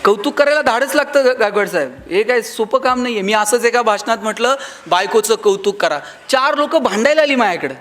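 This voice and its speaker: A man's voice: extremely high pitch, lively intonation, a little fast, hardly any pauses, fairly bright tone, slight background noise. A man with a Marathi accent giving a motivational speech in a hall, telling stories and acting out dialogue in other voices. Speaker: motivational speaker.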